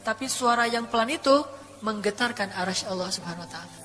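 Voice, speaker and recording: A man's voice: high-pitched, fast, pushed and bright. A male preacher telling religious stories in a casual, conversational, emotive sermon on a handheld mic in a lecture hall. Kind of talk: storytelling sermon. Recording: long hall reverb, faint music.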